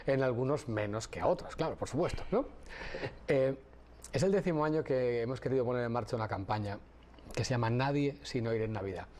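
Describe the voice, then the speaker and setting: A middle-aged man from Catalonia speaks as a guest on a television talk show. His pitch sits in an ordinary middle range. He explains things in a measured, patient way and sometimes restarts a phrase. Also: darkish tone, slight background noise. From Catalonia, Spain. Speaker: audiologist guest. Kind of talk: TV interview.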